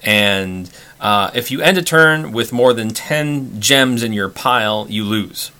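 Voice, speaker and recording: A man co-hosting a casual board game chat, halting with frequent restarts. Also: lowish voice, bright, forceful tone. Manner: halting, many restarts and fillers. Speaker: podcast co-host.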